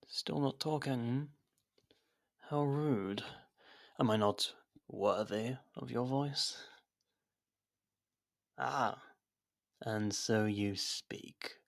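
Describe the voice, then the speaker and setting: Man acting as haughty captive royal, slow and gravelly. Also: medium pitch. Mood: haughty taunting. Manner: haughty, dry, sardonic, theatrical pauses. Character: captured haughty royal, sarcastic rival hiding affection. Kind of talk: ASMR roleplay acting.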